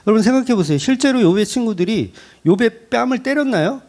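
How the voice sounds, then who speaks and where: Lively, high-voiced preaching man. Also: quick pace. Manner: animated, acts out quoted speech with rhetorical questions. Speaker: pastor. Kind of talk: sermon.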